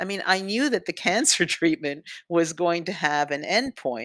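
Recorded very cleanly against a silent background, a woman with an American accent sounds dry and close with no echo. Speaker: writer and journalist. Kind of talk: interview.

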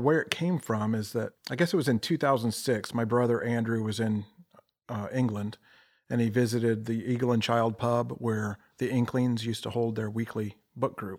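A man with an American accent, an unremarkable speaking voice, medium pitch, fairly even intonation and a moderate pace. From US South, South Georgia/north Florida line. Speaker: author and playwright. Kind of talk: interview.

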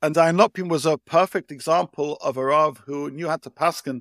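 With a British accent, a man talks fairly quickly at a fairly high pitch with ordinary pitch variation, the sound dry and close with no echo on a very clean recording with a silent background. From UK. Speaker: rabbi and educator. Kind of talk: interview conversation.

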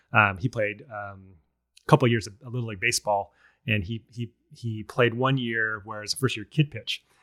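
On a very clean recording with a silent background and a dry, close sound with no echo, a man with an American accent speaks at a moderate pace in a bright, sharp, medium-pitched voice, his intonation fairly even but his loudness swinging widely. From Southern California. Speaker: physical therapist and author. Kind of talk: casual interview chat. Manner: conversational, hesitant with filler words.

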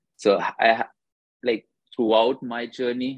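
At a moderate pace, a man talks in an Indian accent. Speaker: tech product manager. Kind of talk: interview. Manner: hesitant with fillers.

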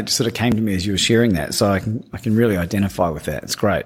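Here is a man with an Australian accent. His pitch sits fairly low. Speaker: podcast host. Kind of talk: casual interview chat. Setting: video call.

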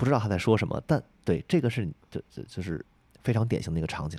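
In a very clean recording with a silent background and a dry, close sound without echo, a man talks at a very fast pace in a dark, mellow tone, his medium pitch swinging very widely. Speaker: podcast co-host, software developer living in the US. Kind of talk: casual chat.

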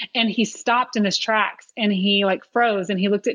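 A woman with a Texan accent, medium pitch and ordinary pitch variation, over a quiet background. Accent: Texan Southern US. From north central Texas. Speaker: education consultant and instructional coaching advisor. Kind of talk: casual interview. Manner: animated.

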